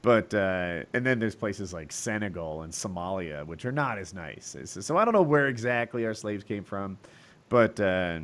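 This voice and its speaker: Casual podcast host, rambling and hesitant, very lively pitch. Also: male voice, moderate pace. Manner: rambling, hesitant, many restarts.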